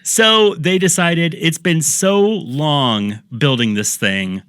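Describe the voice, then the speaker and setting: A man's voice: fairly high pitch, takes it slowly, a bit bright, clear, resonant tone, no echo, clean studio sound. A man hosting a podcast, telling a story in casual chat with jokey asides. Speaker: podcast host.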